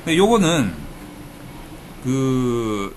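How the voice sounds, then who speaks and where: A man talks through a casual video lecture on thesis statistics, chatty and full of fillers. His pitch moves a lot, rising and falling from phrase to phrase. A faint hiss of noise sits under the voice. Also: very animated, very slow. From Busan, South Korea. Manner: chatty, with filler sounds and playful dad jokes. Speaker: research institute director teaching thesis statistics.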